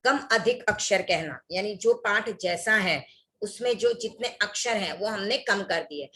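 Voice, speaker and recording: A woman's voice: medium pitch, a little slow, sharp tone. A woman teaching an online religious workshop, explaining recitation mistakes and reciting scripture passages as examples.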